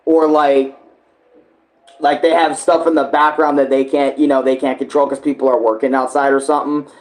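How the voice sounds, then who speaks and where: A man's voice: medium pitch, little pitch movement, normal speed, darkish tone. A man giving casual, rambling reaction commentary as host, slangy and loose with swearing.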